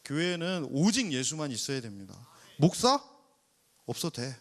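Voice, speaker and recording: A male pastor preaching to a young adults service, animated, firing rhetorical questions and acting out people's complaints and prayers. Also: on the high side, normal speed. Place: church worship service.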